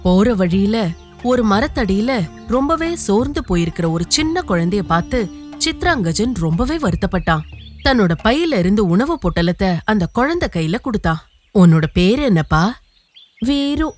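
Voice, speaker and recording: A woman reading a scripted children's folktale as an expressive storyteller. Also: mid-range voice, moderate pace. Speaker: storyteller, narrator. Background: music.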